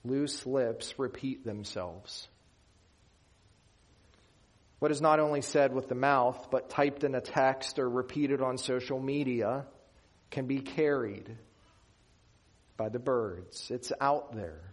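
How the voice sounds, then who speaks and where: A man from Western Pennsylvania preaching a sermon in an earnest, emphatic way. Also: medium pitch. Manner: earnest, emphatic preaching with slow deliberate pauses. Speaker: pastor.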